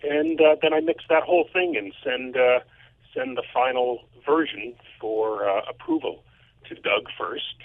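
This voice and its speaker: A man's voice: mid-range voice, a little slow, no echo. Man on a tinny phone line. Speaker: composer and audio mixer, remote guest. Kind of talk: casual explanatory interview talk. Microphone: phone or remote call. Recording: tinny, narrow telephone line.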